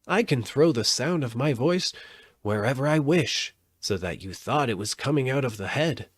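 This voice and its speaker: A man's voice: medium pitch, expressive, normal speed, slightly rough, dry recording, studio quality, voice pushed up. A man reading a storybook aloud, voicing a meek, cowardly little old humbug wizard with a trembling, pleading voice. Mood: proud explaining.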